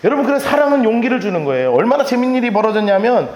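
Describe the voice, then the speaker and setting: Male pastor, animated sermon delivery, high and expressive, echoey church sanctuary. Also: rapid-fire, muffled recording. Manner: animated, lively storytelling with acted-out quotes and laughter. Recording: echoey church hall with long reverb.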